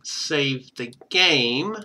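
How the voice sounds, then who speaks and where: A man doing casual game stream commentary, thinking out loud and reading text from the screen. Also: mid-range voice, animated, very slow. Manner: thinks out loud, muttering to himself.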